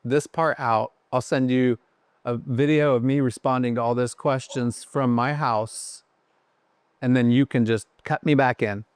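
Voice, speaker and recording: A man's voice: mid-range voice, steady tone, unhurried, clean tone, no room sound. A man guesting on a podcast, telling rambling, self-deprecating stories about his career with lots of fillers. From Ohio. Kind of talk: casual podcast chat.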